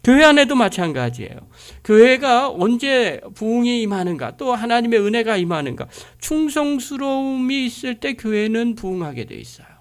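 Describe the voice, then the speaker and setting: A woman's voice: fairly high pitch, big pitch swings, normal speed, few pauses. A woman pastor delivering a sermon, driving her points home with frequent rhetorical questions.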